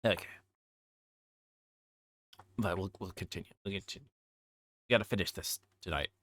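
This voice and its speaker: A man livestreaming a game, talking casually and haltingly as he thinks aloud and reads along. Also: sits low, fairly bright tone.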